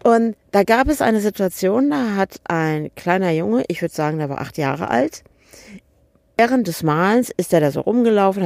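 Earnest woman telling a story, dark tone. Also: medium pitch, gravelly, dry recording. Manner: earnest, asks repeated questions, acts out dialogue. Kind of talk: reflective personal storytelling.

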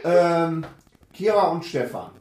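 A man hosts a loose group video call, ribbing his guests and calling on each one by turns. His voice sits high and swings widely, and he speaks slowly. The sound is roomy and echoey. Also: expressive, darkish tone. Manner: joking, calls on guests one by one. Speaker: host of a motorbike chat stream.

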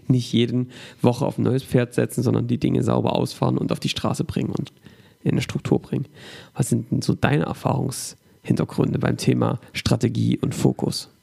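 A man hosts a business podcast, summing up his guest's points and leaning on filler sounds. His middle-pitched voice carries a strong, gravelly vocal fry. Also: little pitch movement, moderate pace, mellow. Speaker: podcast host. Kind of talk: conversational interview.

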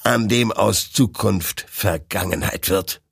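A man voicing an all-knowing ghostly rider of death, speaking in a slow, drawn-out, menacing way with a gravelly voice. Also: low-pitched, fairly bright tone, no room sound, studio quality, full character voice. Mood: slow menace.

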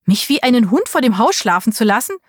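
A woman voicing a frail, indignant old woman in an audiobook, with a shrill, scolding voice. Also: very animated, quick pace, breathy edge, no echo, clean studio sound.

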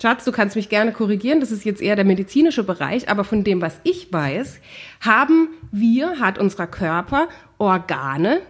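A woman's voice: medium pitch, lively intonation, moderate pace, husky. A woman in her thirties with a head cold and a runny nose, co-hosting a casual Q&A podcast and stating her opinions with emphasis. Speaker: podcast co-host.

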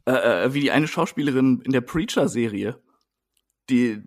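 A man's voice: medium pitch, normal speed. A man co-hosting a casual wrestling podcast, ranting in an exasperated way. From Germany, Siegerland. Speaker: podcast co-host.

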